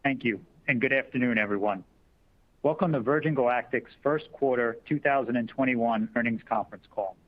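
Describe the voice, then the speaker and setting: A man's voice: mid-range voice, a little fast. A man in investor relations reading scripted corporate remarks in a formal, businesslike way. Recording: dull lo-fi conference call audio.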